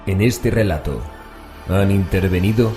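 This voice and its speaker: A man with a fairly low voice co-presents a horror radio show. He reads scripted announcements, and faint music runs behind him. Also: unhurried.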